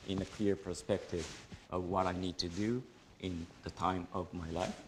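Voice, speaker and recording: With a Japanese accent, a man speaks at a fairly slow pace in a very deep, low voice. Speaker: architect and project manager. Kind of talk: symposium presentation. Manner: halting, many fillers.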